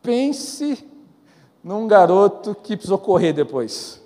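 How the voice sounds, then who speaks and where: A man preaching with a Brazilian accent in a high, lifted voice, swinging from loud calls to courage down to quiet, confiding stories. The sound rings out in a big church with a long, lingering reverb. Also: very animated, takes it slowly. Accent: Brazilian Portuguese. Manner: swings from loud exhortation to hushed storytelling. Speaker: pastor. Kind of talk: sermon. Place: large church.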